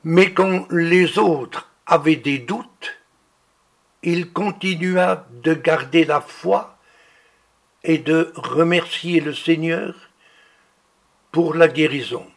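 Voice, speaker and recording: Slow gravelly male preacher. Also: on the high side. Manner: slow and deliberate delivery. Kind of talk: sermon reading healing testimonies.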